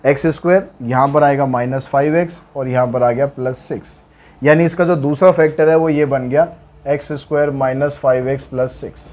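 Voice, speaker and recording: A man's voice: mid-range voice, steady tone, a little fast, darkish tone. A male math teacher giving a casual blackboard lesson, teasing his students and stepping through the working one step at a time.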